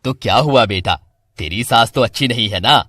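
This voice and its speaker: A man's voice: medium pitch, normal speed, sharp tone, dry recording, clean studio sound. A man voicing a firm older father who lectures bluntly. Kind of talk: Hindi family drama voice acting.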